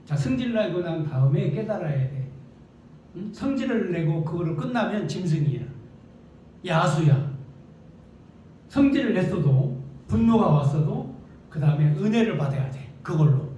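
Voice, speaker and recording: High-voiced preacher in an echoey room. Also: male voice, expressive, normal speed, long pauses, dark tone, muffled recording, slight background noise. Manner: emphatic, with rhetorical questions and repeated "응?". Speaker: pastor. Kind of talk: sermon. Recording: echoey room picked up from a distance.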